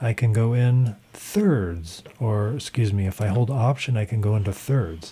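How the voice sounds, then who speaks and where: Somewhat breathy, the man talks in a dark, mellow tone. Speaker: tech tutorial creator. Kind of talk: tutorial. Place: studio. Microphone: studio mic.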